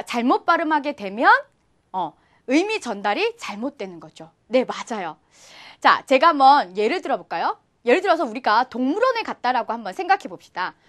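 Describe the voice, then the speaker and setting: Bright, lively woman teaching a lesson. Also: sits high. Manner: lively, encouraging, asks the viewer questions. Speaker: Chinese teacher. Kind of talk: friendly online language lesson.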